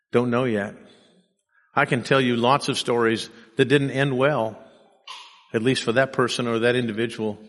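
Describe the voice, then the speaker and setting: Joking, sleep-deprived preacher in a reverberant hall. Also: male voice, mid-range voice. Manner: self-deprecating humor, storytelling. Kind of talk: sermon with personal stories. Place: church.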